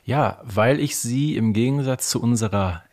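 A man with a German accent, co-hosting a fan podcast in a measured, agreeable, conversational way. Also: medium pitch, darkish tone. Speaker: podcast co-host.

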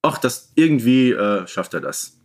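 A man's voice: medium pitch, very animated, a little slow, darkish tone. A man co-hosting a podcast, explaining details in a conversational, informed way. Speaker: podcast co-host. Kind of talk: casual, informed commentary on audio play series.

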